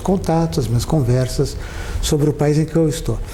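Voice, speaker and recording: A man's fairly high voice at a moderate pace, amid noticeable background noise and audible room echo. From Brazil, São Paulo city. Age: 60s. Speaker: diplomat. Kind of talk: interview. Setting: consulate office.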